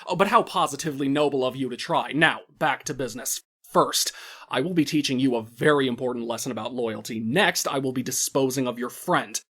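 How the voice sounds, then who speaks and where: A man's voice: medium pitch, fairly quick, a bit bright, husky. Man playing a smug, menacing loan shark boss. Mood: menacing, mocking. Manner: mock-courteous and condescending, erupting into menacing outbursts. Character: menacing male loan shark crime boss, smugly cruel and theatrical. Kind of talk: dramatic audio drama acting.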